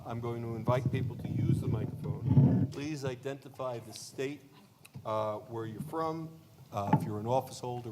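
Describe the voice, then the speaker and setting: Halting older man moderating. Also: mid-range voice, darkish tone, slight background noise. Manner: deliberate, halting, dryly humorous. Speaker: session moderator.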